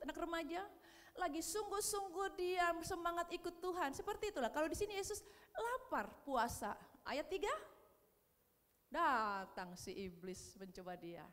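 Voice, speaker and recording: High-voiced woman preaching in reverberant hall. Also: moderate pace. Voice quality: animated, acts out voices in quoted dialogue. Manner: swings between loud emphatic and hushed delivery. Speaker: pastor. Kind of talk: youth service sermon. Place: church hall. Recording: long reverb in a church hall.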